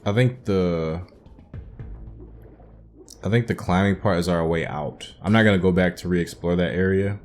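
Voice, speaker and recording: A man's voice: deep voice, moderate pace, long pauses, soft background music. A man hosting a gaming playthrough, commenting casually and informally as he thinks aloud and explains things. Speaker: gaming video host.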